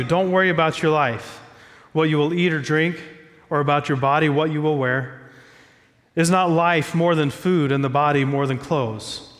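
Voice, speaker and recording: A man's voice: a little high, a bit bright, long reverb tail. A man preaching a sermon as pastor, stuffy from a cold, talking in a conversational, self-joking way from a church stage.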